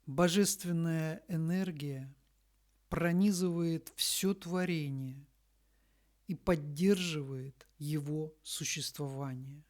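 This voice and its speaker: A woman reading a scripted spiritual message in a solemn, deliberate manner, breaking it into short phrases with long pauses. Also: sits low, darkish tone. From Russia.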